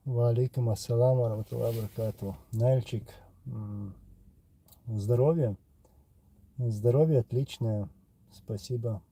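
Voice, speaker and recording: Gravelly, dark-voiced Chechen-accented man. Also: mid-range voice. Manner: unhurried, pausing often with filler sounds. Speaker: livestream host answering viewer questions. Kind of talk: casual live chat reading comments.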